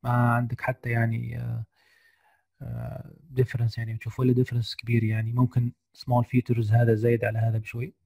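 Tired man with a gravelly, dark voice. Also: medium pitch, monotone, brisk, dry recording. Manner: hesitant, many fillers, mixes English terms. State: tired, slightly unwell voice. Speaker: guest lecturer. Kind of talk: screen-share software lesson.

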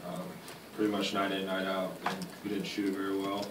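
Flat low-voiced young man, echoey press room. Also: fairly quick. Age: young adult. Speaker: college basketball player. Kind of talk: postgame press conference answers. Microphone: table mic, far camera. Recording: echoey room, distant mic, noise.

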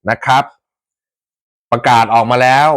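A man hosting a fan channel, talking casually to viewers about his football club's transfers in a chatty, animated way with rough slang and frequent laughs. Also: unhurried.

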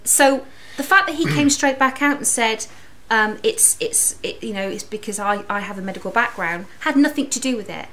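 A woman's voice: fairly high pitch, lively intonation, normal speed, hardly any pauses, pushed and bright. A woman in her thirties talking casually to camera in a living room, rambling a little with fillers. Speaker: vlogger.

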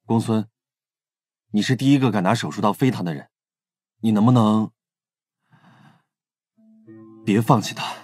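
A husky, low-voiced, earnest investigator. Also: male voice, a little fast, darkish tone, dry recording, soft background music. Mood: pleading. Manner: hesitant, earnest, confiding. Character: younger brother, male police investigator, candid, protective. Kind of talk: Chinese audio drama acting.

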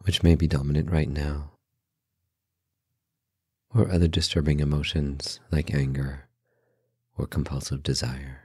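A man with an extremely low, dark voice guides a meditation. He speaks calmly in short instructional phrases, leaving slow, unhurried space between them. The sound is close and dry. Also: breathy edge, dry recording.

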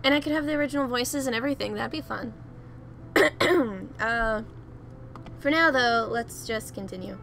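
A young woman with a slightly high voice hosts a let's play at normal speed, pausing often, with a little hiss or hum and soft music in the background. Giggly and self-deprecating, she rambles casually while clicking through game menus.

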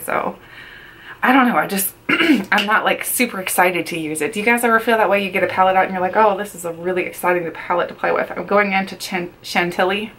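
Chatty woman vlogger, slightly low voice. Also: a bit bright. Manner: chatty, repeats words for emphasis. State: feels she is losing her voice. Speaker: beauty vlogger. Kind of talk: casual get-ready-with-me chat. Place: small bedroom makeup setup, indoors.

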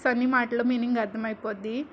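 Brief: woman storyteller, high voice, faint room hum, animated story reading. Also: fast talker, muffled recording. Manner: animated, voices rising and louder for characters' lines. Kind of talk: reading a serial story aloud, acting each character.

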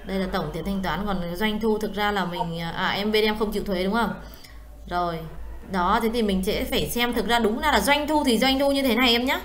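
A woman, tutoring a student one-on-one in accounting software, explaining step by step and often checking that she is understood. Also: medium pitch, fairly quick.

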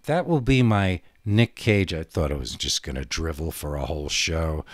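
A man's voice: very deep voice, moderate pace, dry recording, clean studio sound. A man hosting a solo podcast in a casual, rambling monologue, hesitant and full of digressions. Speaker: podcast host.

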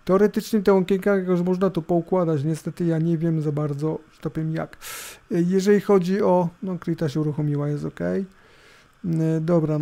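With a laptop fan humming in the background, a middle-aged man casually narrates a screencast for his tech review video indoors at a computer. He is informal, rambling and hesitant and uses tag questions, and his voice sits high with a warm tone.

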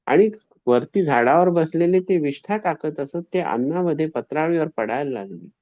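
A man telling a devotional story in an animated way, acting out the quoted voices. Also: on the high side, moderate pace, dry recording. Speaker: spiritual storyteller. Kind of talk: devotional discourse. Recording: dull, dry, slightly lo-fi recording.

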